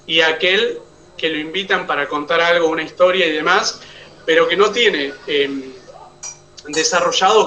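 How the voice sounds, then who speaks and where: This is a lo-fi recording made far from the mic, featuring a man with a fairly high, pushed, bright voice and an Argentine Spanish accent. He's teaching an online oratory class, explaining step by step and checking that students keep up.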